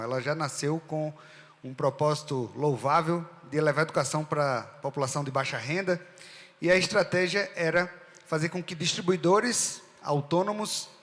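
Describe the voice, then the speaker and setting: A middle-aged man with a Northeastern Brazilian accent gives a talk from a stage. His voice sits a little high for a man. The sound carries a long reverb from the hall. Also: fairly bright tone. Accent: Northeastern Brazilian, from Rio Grande do Norte. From Rio Grande do Norte, Brazil. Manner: conversational, asks the audience questions. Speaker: speaker at a live event. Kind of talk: storytelling keynote talk.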